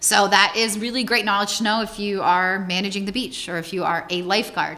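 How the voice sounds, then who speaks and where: A woman's medium-pitched voice in a Pennsylvania accent, bright and sharp in tone, at a fairly quick pace with audible room echo. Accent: Pennsylvania accent, noticeable. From Pennsylvania, US. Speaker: shark conservation educator. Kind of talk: public lecture. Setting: presentation to audience. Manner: conversational, some stumbling.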